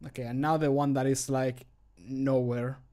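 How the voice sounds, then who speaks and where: In a small room at home, a streamer in his thirties records voice lines for a game mod while chatting casually on a livestream. His medium-pitched voice has a dark tone, little pitch movement and a normal speed, and he thinks out loud, pokes fun at himself and swears now and then.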